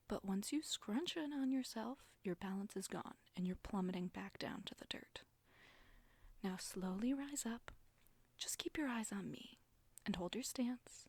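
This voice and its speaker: A woman voicing a flirty, bossy witch who teaches broom riding, in a soft breathy ASMR roleplay whisper. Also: mid-range voice, no room sound. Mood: coaching. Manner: teasing, bossy, instructive. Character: flirty, sassy witch broom-riding instructor, condescending but coaxing.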